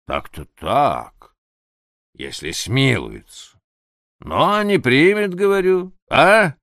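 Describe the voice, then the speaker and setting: Brief: a man playing a worried, pleading nobleman in a storybook reading, lively tone. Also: mid-range voice, takes it slowly, no echo, studio quality, pitched above the performer's own voice, heavily acted. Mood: pressing.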